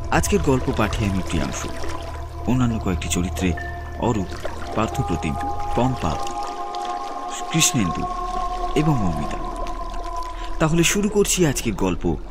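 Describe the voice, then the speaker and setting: A man narrating a scripted horror story dramatically, with suspenseful, weighted pauses. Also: fairly low pitch. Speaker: narrator and presenter. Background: music with birds and crickets.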